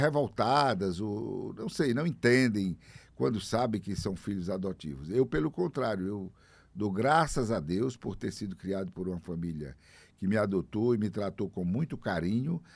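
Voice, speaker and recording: Speaking fairly slowly, a man uses a fairly low pitch with very wide pitch swings. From Ceará, Brazil (rural interior). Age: 60s. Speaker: poet and journalist. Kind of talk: TV interview.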